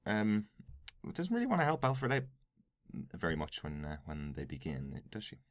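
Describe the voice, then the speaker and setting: A man's voice: sits low, wildly swooping pitch, moderate pace, no echo. An Irishman co-hosting a podcast, chatting casually and prompting his co-host with questions.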